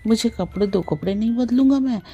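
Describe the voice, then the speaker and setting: A woman's voice: on the high side, brisk, warm tone, breathy edge, dull audio, voice pushed up. A woman voicing a stubborn, hurt young boy who speaks defiantly and insistently, read from a storybook. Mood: upset.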